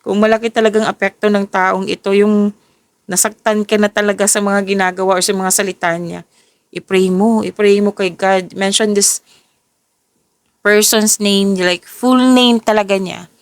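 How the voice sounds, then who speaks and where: Tired woman with a gravelly voice. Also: medium pitch, steady tone, normal speed, no echo. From Philippines. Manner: self-correcting, restarts and rephrases as she goes. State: tired, voice a little off. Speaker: tarot reader. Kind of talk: casual tarot reading, mixing English and Tagalog.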